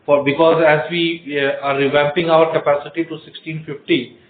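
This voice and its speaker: A man's voice: on the high side, level tone, moderate pace. A man, a finance executive who answers questions about debt and assets, hesitating with many fillers. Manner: hesitant, many fillers while reading out figures. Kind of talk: earnings call answers. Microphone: conference call phone line. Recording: echoey room over phone line.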